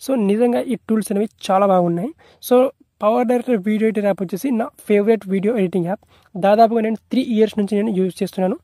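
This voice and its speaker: A man's voice: high-pitched, steady tone, rapid-fire, dark tone, no echo, clean studio sound. A man narrating an app tutorial in a repetitive, instructional way, mixing in English tech terms.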